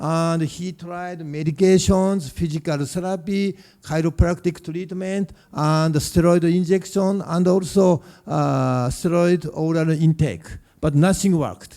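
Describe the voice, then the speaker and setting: In a strong Japanese accent, a man with a high pitch and a dark, mellow tone speaks very slowly with fairly even intonation. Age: 50s. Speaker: spine surgeon. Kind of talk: health talk to seniors. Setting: talk at a mosque with audience. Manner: halting, many fillers.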